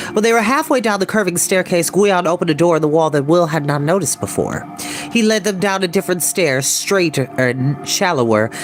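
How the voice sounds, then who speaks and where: Male storytime reader, fairly high voice, deliberate narration with dramatic pauses, soft music bed. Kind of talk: storybook narration, read aloud.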